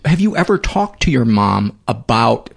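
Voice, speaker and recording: Male podcast host; gentle, probing interviewer, mid-range voice. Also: mid-range voice, very animated, moderate pace, vocal fry. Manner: gentle, probing questions with short affirmations. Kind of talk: interviewing a guest.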